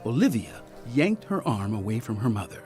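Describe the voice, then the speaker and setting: A man narrating a scripted audio mystery drama as a polished, deliberate storyteller. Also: mid-range voice, sing-song, a little mellow, soft background music, close to an everyday voice. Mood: storytelling.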